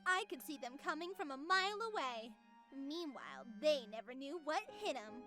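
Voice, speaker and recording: A woman's voice: sits high, big pitch swings, moderate pace, music in the background. A woman playing a cheerful but tyrannical, self-righteous artificial being, narrating a scripted visual novel. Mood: smug, indignant.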